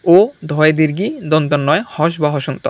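A man's voice: a little high, steady tone, normal speed, no room sound. A young man teaching an exam-prep language lesson in a casual way, often saying "okay" and mixing in English words. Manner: casual, repeats "ঠিক আছে", mixes in English words. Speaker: online tutor.

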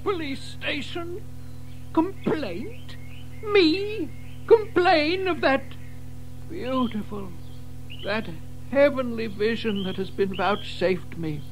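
A man playing a vain, reckless gentleman toad in a children's audio drama, grandiose and dreamy, savouring each phrase. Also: very high-pitched, takes it slowly, pauses often, soft background music, full character voice. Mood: incredulous. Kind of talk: full-cast children's audio drama acting.

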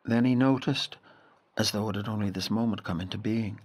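A man with a Northern Irish accent playing a reflective storyteller, narrating a literary audio drama in a measured, deliberate way. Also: fairly low pitch, a little mellow, lightly acted. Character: reflective male storyteller recalling a boy's rural Irish childhood.

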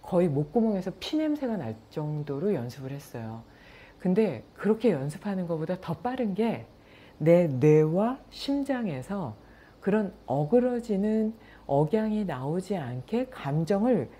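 A middle-aged woman, a yoga and meditation teacher, talking casually and calmly, telling stories and acting out what people said. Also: deep voice, slight background noise. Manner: anecdotal, calm, with acted-out quotes. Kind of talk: casual talk to viewers.

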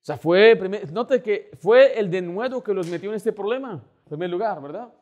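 A middle-aged man preaching a sermon as pastor, animated, acting out little scenes as he talks. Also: high-pitched, moderate pace. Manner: animated, acts out door-knocking scenes.

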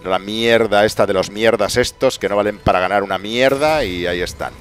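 A man's voice: lowish voice, brisk, faint music behind. A man with a Spain Spanish accent, streaming a game live with rambling, self-mocking banter, sounding tired. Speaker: gaming streamer. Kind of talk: casual live gameplay commentary.

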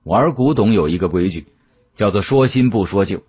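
Guy narrating an audiobook, really husky, swings his pitch around, slightly dull lo-fi sound. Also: animated, normal speed. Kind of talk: dramatic scripted storytelling narration.

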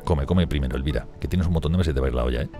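Fast, excitable man, very deep. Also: soft background music. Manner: fast, excitable, swears and laughs often. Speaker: gameplay streamer. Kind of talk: live strategy game commentary.

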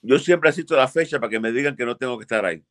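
A man's voice: mid-range voice, racing, no room sound, clean studio sound. An older man, an immigration lawyer, answering viewers' questions emphatically and bluntly over a video call from a home office. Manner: emphatic, blunt, repeats for stress. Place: home office with framed pictures.

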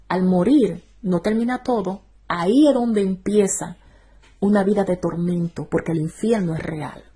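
A woman's voice: mid-range voice, warm tone, breathy edge. A middle-aged woman evangelist, giving a fervent testimony sermon and breaking in with praise exclamations.

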